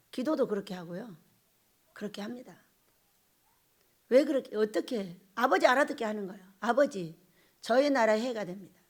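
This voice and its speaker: A woman pastor preaching a sermon in an emphatic, animated way, repeating lines and acting out quotes. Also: sits high.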